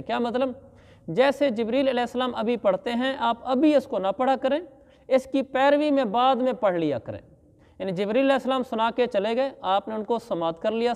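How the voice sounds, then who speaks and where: A man giving a religious lesson on Quran commentary, reciting verses slowly and then explaining them plainly. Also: sits high, big-room sound. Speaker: Islamic scholar teaching Quran commentary.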